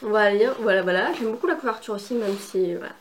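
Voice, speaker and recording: A woman's voice: mid-range voice, a little fast, a little hiss or hum. A woman book vlogger chatting casually and enthusiastically through an unboxing, with lots of fillers. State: has a cold.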